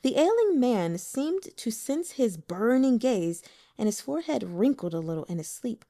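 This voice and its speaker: A woman narrating a novel as an audiobook, with an expressive, animated delivery. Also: on the high side, moderate pace.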